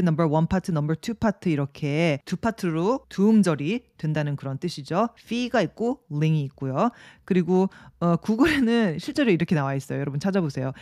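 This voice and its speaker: A woman teaching English pronunciation in on a video lesson. She repeats the English example words slowly and draws them out, and her voice trails off softly at the ends of her phrases. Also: sits low, dry recording, studio quality.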